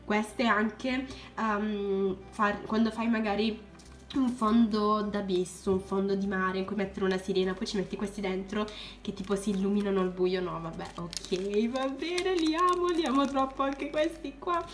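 A young woman who runs a crafts channel, gushing with excitement as she unboxes supplies for viewers. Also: medium pitch, moderate pace, reverberant. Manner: gushing, keeps exclaiming in delight.

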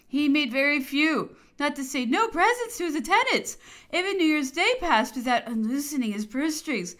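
High, bright woman reading a memoir. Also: lively intonation. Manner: measured, with occasional amused laughter. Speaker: audiobook reader.

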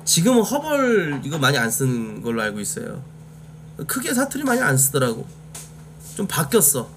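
A Korean man from Jeolla hosts a casual live stream and talks bluntly to his chat, swearing freely along the way. His voice sits high and swings up and down a great deal. A faint hum of background noise runs under the recording. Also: wildly swooping pitch, moderate pace, a bit bright. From Jeolla, South Korea.

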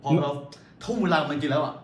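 A man chatting casually, relaxed and explanatory, showing a guest around his house. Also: fairly high pitch, racing, roomy sound. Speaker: homeowner guest. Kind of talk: casual chat.

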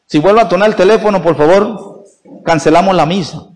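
A man's voice: sits high, a little fast. A man preaching a sermon at Mass as a priest, emphatic, asking the congregation questions and answering them himself. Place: church. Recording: long church reverb.

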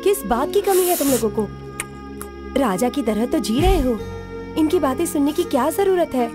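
A woman's voice: high voice, expressive, normal speed, music in the background. A woman dubbing a scolding, protective mother in a Hindi film dub.

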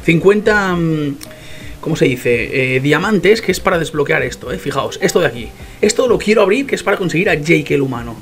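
A young man with a Spain Spanish accent giving excitable, casual commentary while playing a game, swearing often and talking straight to his viewers. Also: fairly high pitch, brisk. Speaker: gaming youtuber.

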